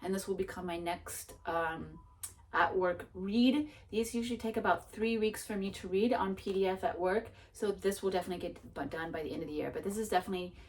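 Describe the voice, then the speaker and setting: A woman's voice: mid-range voice, fairly quick, darkish tone, recorded from a distance. A woman book vlogger chatting casually about her reading plans, self-mocking, with frequent restarts and laughter. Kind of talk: casual chat.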